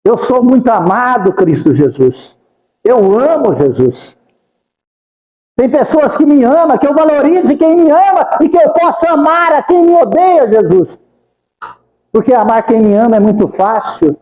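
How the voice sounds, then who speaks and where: A man with a high, mellow voice gives a devotional talk. He speaks in fervent, pleading prayers and keeps repeating the name of Jesus. His voice rings through a roomy hall with a long reverb. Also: lively intonation, unhurried. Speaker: spiritist lecturer. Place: spiritist center hall.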